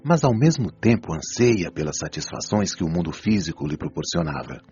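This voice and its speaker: Man playing a deep-voiced, patient Brazilian spirit doctor. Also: sing-song, breathy edge, heavily acted. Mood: instructive. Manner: didactic, measured, gently admonishing. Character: patient, wise male spirit doctor counselling souls. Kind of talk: Brazilian audio drama acting. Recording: dull lo-fi audio, music behind.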